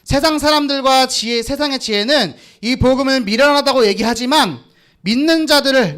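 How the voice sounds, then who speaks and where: A man's voice: very high-pitched, a bit bright. A young man leading a children's sermon, calling out lines for the kids to repeat and teasing them by name. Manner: call-and-response with kids, teasing. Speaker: children's pastor. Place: church children's worship room.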